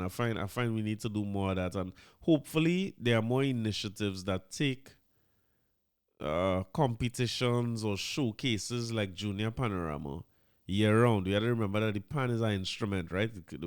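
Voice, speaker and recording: A man's voice: on the low side, smooth, no room sound, studio quality. A man with a Trinidadian accent hosting a podcast, commenting casually and often repeating his words as he talks. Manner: chatty, animated, repeats words, mixes in Trinidadian Creole. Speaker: podcast host.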